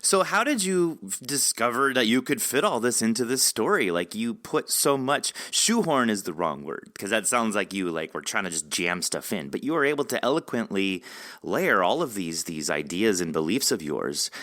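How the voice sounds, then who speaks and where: A man hosting a casual interview, affirming effusively and haltingly searching for his words as he puts questions. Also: on the low side, big pitch swings, pushed and bright. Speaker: podcast host, interviewer.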